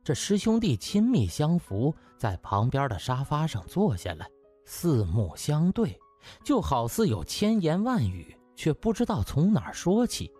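Guy reading an audiobook, really lively pitch, bit of husk, music behind. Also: a little slow. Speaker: audiobook narrator. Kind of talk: dramatised storytelling narration of a comic novel. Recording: music under the voice. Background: background music.

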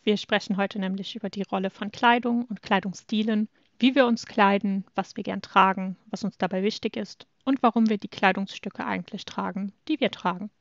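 Gravelly woman podcaster in her twenties. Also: medium pitch, steady tone, no echo, lo-fi sound. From Germany. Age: 20s. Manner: reads content notes in a measured way. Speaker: podcast co-host. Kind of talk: casual podcast chat.

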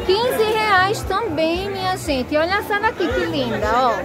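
A chatty northeastern woman with a high voice gushes over bargains as she films an open-air market on her phone. The crowd of shoppers is clearly heard behind her. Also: animated, measured pace. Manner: gushing, chatty, repeats "minha gente". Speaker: shopping vlogger. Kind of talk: excited market walkthrough. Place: outdoor clothing market stalls. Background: busy market crowd.

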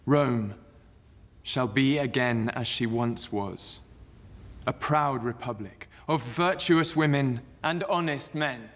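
An actor playing a cold, self-possessed young Roman consul, delivering formal, deliberate political oratory in a screen drama. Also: male voice, medium pitch, lightly acted. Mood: solemn, resolute. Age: young adult. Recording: echoing hall, background noise.

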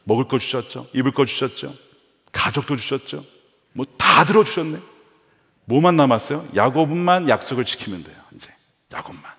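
Animated male pastor in an echoing church. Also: medium pitch, normal speed, vocal fry. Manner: animated, acts out quoted voices. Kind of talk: sermon. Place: large church sanctuary. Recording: reverberant church hall.

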